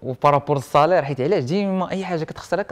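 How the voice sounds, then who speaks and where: A young man with a Moroccan Arabic accent, slightly high-voiced and talking rapid-fire, is an interview guest who works as a printing and IT technician. He tells his personal story casually in conversation, slipping in French words and quoting dialogue along the way.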